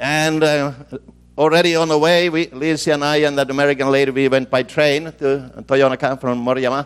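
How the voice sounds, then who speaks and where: A man at a fairly high pitch, fairly slow pace and monotone, flat intonation. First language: English (speaking Japanese). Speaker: missionary preacher. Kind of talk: sermon delivered through an interpreter. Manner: halting, in short phrases for interpretation.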